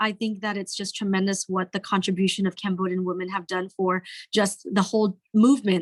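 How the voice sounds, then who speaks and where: A woman with an American accent speaks in a monotone with flat intonation. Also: very clean recording, silent background. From California, US. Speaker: advisor to a social enterprise. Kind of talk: speech at a launch event. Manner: halting, many fillers.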